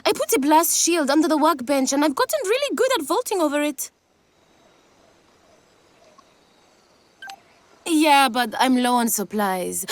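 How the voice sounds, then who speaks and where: An actress voicing a manic, cheerful young woman in a video game, excitable and giggly, with a gleeful passion for explosives. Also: high voice, no room sound. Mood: excited, bubbly. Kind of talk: video game character acting.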